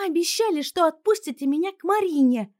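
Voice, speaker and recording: Woman voicing a shrill whiny teenage girl. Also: animated, a little fast, darkish tone. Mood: shrill pleading. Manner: whining, shrill and pleading. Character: whiny defiant fifteen-year-old girl.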